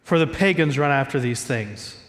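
A man's voice: mid-range voice, expressive, moderate pace, a bit bright, big-room sound. A man preaching a sermon as pastor, stuffy from a cold, talking in a conversational, self-joking way from a church stage.

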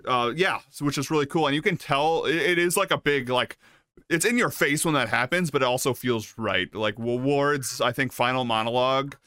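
A man's voice: medium pitch, normal speed, pushed and bright, clear, resonant tone, no echo, clean studio sound. A man chatting casually as a co-host reviewing a film, emphatic and given to repeating words. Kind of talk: casual chat.

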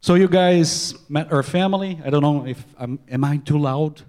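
A middle-aged man with a Portuguese-speaking accent, a missionary doctor giving an earnest church presentation with halting restarts and repeated words. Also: on the high side, darkish tone. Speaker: missionary physician.

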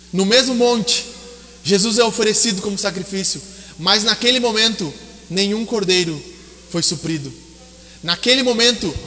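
High bright-voiced preacher man. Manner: dramatic storytelling, drops to soft low tones for quoted voices. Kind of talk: sermon. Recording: long reverb hall.

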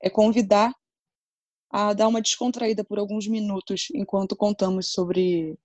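Woman co-host, easygoing chat, mid-pitched, dry close mic. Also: flat delivery, moderate pace, a little mellow, no room sound. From Brazil. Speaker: podcast co-host. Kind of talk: casual chat.

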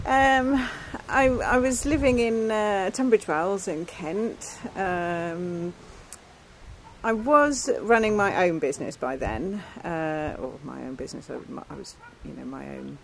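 Middle-aged interviewee: halting, casual, fills gaps with ums, faint background hiss. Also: medium pitch, gravelly. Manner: hesitant, many ums and restarts, laughs lightly.

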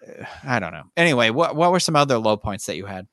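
Podcast co-host, mid-pitched male voice, dry close sound, opinionated rant. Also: sing-song, fast talker, fairly bright tone, dry recording. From United States. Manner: opinionated, ranting with false starts. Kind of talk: casual chat.

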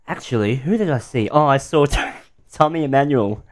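A man's voice: medium pitch, lively intonation, moderate pace. A man chatting casually on a podcast, joking bluntly with his friends. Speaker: podcast guest. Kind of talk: casual chat.

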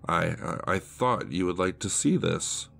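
A man voicing a smooth, eerie male street illusionist who talks softly and coaxingly in a horror story reading. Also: sits low, measured pace, soft background music, full character voice. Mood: wounded.

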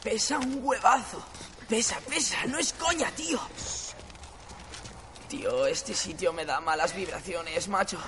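A man's voice: sits high, unhurried, long pauses, sharp tone, slight background noise. A man dubbing a jittery, foul-mouthed young accomplice in a Spain Spanish accent, talking in frantic slang. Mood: panicky. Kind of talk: Spanish film dub.

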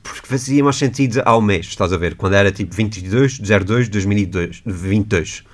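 A man's voice: fairly low pitch, a little fast. A young man from the Azores co-hosting a radio show with casual, chatty banter in a studio. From Azores, Portugal. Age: young adult. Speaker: radio co-host.

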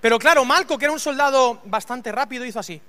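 A man preaching a humorous, animated sermon and acting out scenes with voices. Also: very high-pitched, quick pace, a little hiss or hum. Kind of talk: storytelling sermon.

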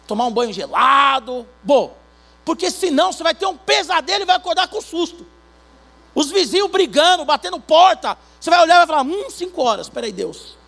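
A Brazilian pastor preaching a sermon, acting out little dialogues between God and believers in an animated way. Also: male voice, very high-pitched, a little fast, vocal fry. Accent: Brazilian Portuguese.

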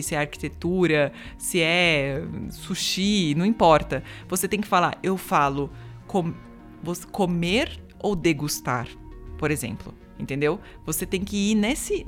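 A woman with a slightly low voice explains her work as an interpreter in a relaxed interview. She talks thoughtfully and circles back with fillers and examples. Faint music plays underneath. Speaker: interpreter, guest. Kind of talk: casual interview chat.

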